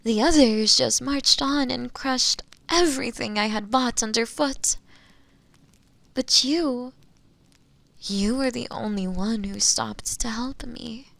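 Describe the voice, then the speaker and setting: A woman playing an imprisoned witch in an audio roleplay, seductive, teasing and obsessive, sometimes hushed as she speaks to the listener. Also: on the high side, vocal fry, dry recording, exaggerated voice. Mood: lovestruck, wistful. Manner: slow, teasing, hushed at times, with pet names. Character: imprisoned witch, seductive, obsessive yandere, bitter toward inquisitors.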